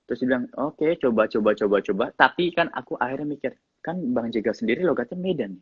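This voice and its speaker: A man with a slight English accent in his Indonesian, an actor chatting casually in an interview, relaxed and often laughing. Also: mid-range voice, fast talker, husky, no room sound, lo-fi sound. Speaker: actor guest.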